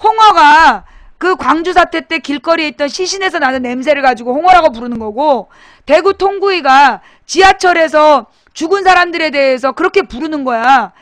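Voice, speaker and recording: A woman's voice: high-pitched, expressive, normal speed, a bit bright, dry recording, studio quality. A woman hosting a political talk webcast, talking bluntly and emphatically to her live chat audience and firing rhetorical questions at them.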